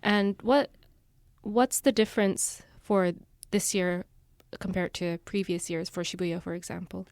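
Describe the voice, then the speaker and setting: A woman's voice: lowish voice, steady tone, unhurried, darkish tone, dry recording. Woman hosting a news podcast, close dry sound. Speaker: podcast host and news reporter. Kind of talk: bilingual news discussion podcast.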